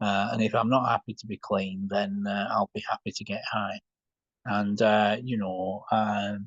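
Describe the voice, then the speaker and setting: A man speaks fairly slowly in a monotone, flat delivery. His voice sits fairly low, and the sound is dry and close with no echo. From Scotland. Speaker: podcast host. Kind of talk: casual chat. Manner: hesitant, many fillers.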